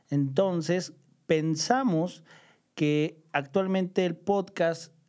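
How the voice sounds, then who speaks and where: A man speaks at a very slow pace in a high pitch with ordinary pitch variation, on a very clean recording with a silent background. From southern Veracruz, Mexico. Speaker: entrepreneur, podcast co-host. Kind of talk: casual chat. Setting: studio.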